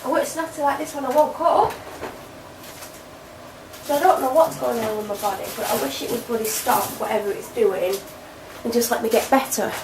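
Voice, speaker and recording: Speaking into her camera mic indoors at home, a young vlogger with a cold rambles chattily and pokes fun at herself. She sounds stuffed up and snotty, with a slightly high voice at a normal speed, and there's background noise.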